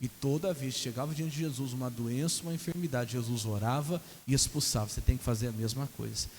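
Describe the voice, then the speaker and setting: A man with a Brazilian Portuguese accent, a pastor preaching a sermon and breaking into loud calls to the congregation. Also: mid-range voice, fast talker. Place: church hall. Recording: long hall reverb.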